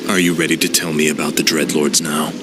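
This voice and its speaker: An actor playing a ruthless fallen prince turned death knight who talks in a cold, proud voice, in a game cinematic. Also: male voice, a bass voice, flat delivery, fast, background noise. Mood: probing. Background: orchestral music.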